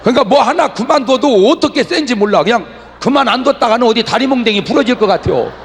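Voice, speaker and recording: High, lively husky preacher man. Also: quick pace, a little hiss or hum. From Chungcheong, Korea. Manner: humorous, animated preaching with call-and-response. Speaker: pastor. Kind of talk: revival sermon. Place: large church revival meeting. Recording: echoey hall reverb.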